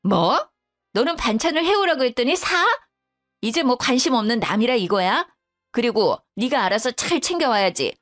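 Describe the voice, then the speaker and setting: A woman voicing a sulky, sharp-tongued widowed older mother-in-law who grumbles bluntly and pities herself. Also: a little high, big pitch swings, normal speed, faint music behind. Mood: indignant. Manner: blunt, grumbling, self-pitying.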